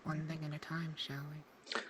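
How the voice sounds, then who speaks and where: A woman's voice: sits low, flat delivery, normal speed, husky. A woman playing an evasive, composed Leviathan dragon in human form, in an improvised fantasy roleplay. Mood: coolly evasive.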